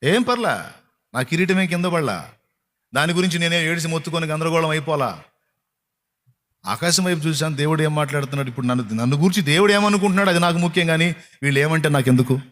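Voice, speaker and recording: A man's voice: fairly high pitch, lively intonation, quick pace, fairly bright tone. A man preaching a sermon, firing rhetorical questions at his listeners and mocking their complaints.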